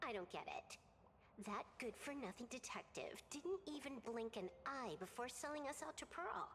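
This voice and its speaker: A woman's voice: sits high, sing-song, moderate pace, a bit bright, slight background noise, exaggerated voice. A woman voicing a snarky, skeptical, petulant young game character, blunt and casual. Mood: annoyed, incredulous. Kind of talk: video game voice acting.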